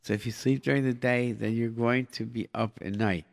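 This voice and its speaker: Man, middle-aged, mid-pitched, call-in show host, informal advice, repeated phrases, Hebrew and Yiddish expressions. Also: steady tone, a little fast, creaky. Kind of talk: conversational live call-in advice.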